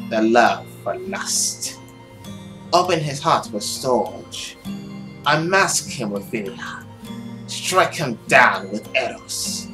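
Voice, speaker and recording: A young man with a medium-pitched voice reads a story game aloud in a dramatic, expressive way. He adds his own commentary as he plays, and music runs faintly behind him. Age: young adult. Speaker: video game player and narrator. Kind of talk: reading visual novel text aloud with commentary. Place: small room at home, indoors.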